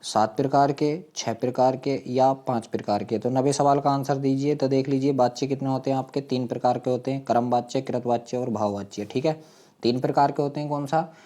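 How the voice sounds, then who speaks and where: Man teaching, dark mellow voice. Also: mid-range voice, fairly even intonation, fairly quick. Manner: explanatory, repeats points, poses questions to listeners. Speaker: teacher, exam coach. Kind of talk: Hindi grammar quiz lesson, question and answer.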